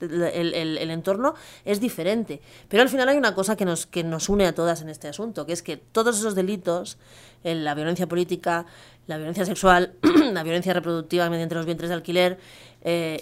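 A middle-aged woman from Spain with a Castilian Spanish accent, speaking earnestly as a guest in a live radio interview, often adding tag questions and fillers. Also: mid-range voice. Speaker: guest lawyer and activist.

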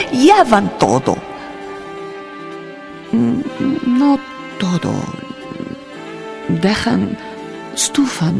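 An actress playing a displaced woman in a radio drama, recounting hardship in broken, with halting fragments and repeated words. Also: mid-range voice, creaky, full character voice. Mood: sad, halting. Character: sad, displaced woman haltingly recounting losing her home.

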